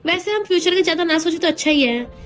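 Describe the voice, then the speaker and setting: A woman's voice: very high voice, expressive, quick pace, fairly bright tone, soft background music. A woman voicing a cocky, bossy young man who teases the woman he married, in a retold drama scene. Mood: teasing. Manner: teasing, bossy. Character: cocky young male heir, teasing and bossy.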